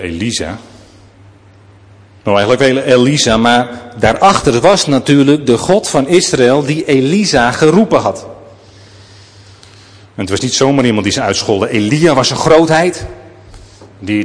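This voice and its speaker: A man preaching a sermon, telling the story in a lively way and speaking straight to his listeners. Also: medium pitch, long reverb tail.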